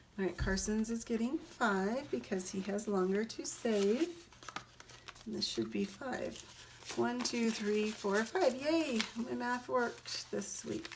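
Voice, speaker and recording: Over noticeable background noise, a woman with a fairly high pitch speaks very slowly, her intonation lively. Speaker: budgeting channel host. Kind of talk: cash stuffing tutorial. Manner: counting aloud.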